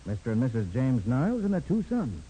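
An actor playing a cool-headed, decisive private detective with a calm, authoritative manner in a 1940s radio crime drama. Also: male voice, medium pitch, fairly quick, low-quality recording. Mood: studious. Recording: hissy old radio recording.

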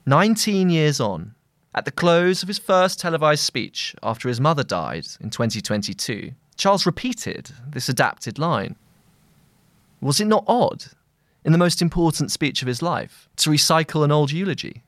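A man narrating a scripted long-read essay as a journalist, in measured, deliberate phrasing. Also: on the high side, big pitch swings, a bit bright, no echo, clean studio sound.

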